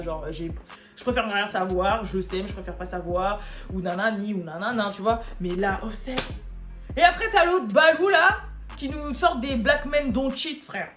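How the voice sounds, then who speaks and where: A young woman hosting a casual gossip vlog, talking in a chatty, animated way with many fillers. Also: medium pitch. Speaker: vlogger. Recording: echoey room.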